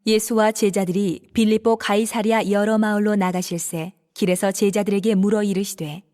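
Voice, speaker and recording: A woman narrating scripture in a calm, even, reverent manner. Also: medium pitch, moderate pace.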